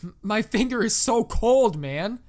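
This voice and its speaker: A man voicing a whiny, panicked caller in his mid-twenties who is high on drugs and swearing. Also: expressive, a little slow, a little mellow. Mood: whining. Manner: whiny, exaggerated, swearing dude-talk.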